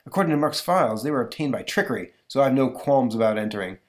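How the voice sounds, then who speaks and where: A man's voice: medium pitch, lively intonation, fast, voice pushed up, natural voice. A man voicing a resolute, confident superhero from a comic book, speaking in an earnest, declamatory way.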